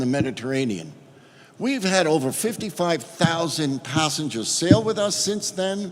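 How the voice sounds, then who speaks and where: In a New York accent, the speaker moves at a moderate pace with very wide pitch swings while noticeable background noise sits underneath. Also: man. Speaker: cruise line executive. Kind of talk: prepared remarks at a roundtable meeting.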